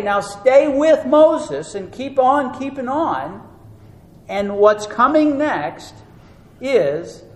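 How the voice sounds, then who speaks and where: A man preaching a sermon. He teaches earnestly, rising and slowing down for emphasis. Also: high-pitched. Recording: echoey room with faint noise.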